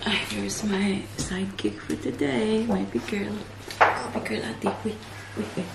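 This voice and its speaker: A woman's voice: mid-range voice, steady tone, unhurried, gravelly, background noise. A woman chatting casually to her viewers in a family vlog, calling them "guys" and laughing often. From Philippines. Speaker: family vlogger. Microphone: handheld vlogging camera or phone.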